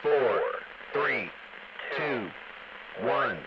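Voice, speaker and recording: A launch controller counts down over a space radio link with a man's steady, unhurried delivery. His voice arrives muffled and thin, set back from the mic as though relayed from far away. Each number is spaced out with calm deliberation. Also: medium pitch, very noisy. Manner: slow measured countdown. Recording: muffled distant radio sound.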